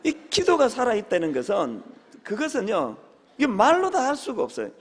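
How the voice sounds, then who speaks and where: A male pastor preaching a sermon, telling humorous stories with sudden shouted exclamations. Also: high voice, wildly swooping pitch, brisk, husky. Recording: long hall reverb.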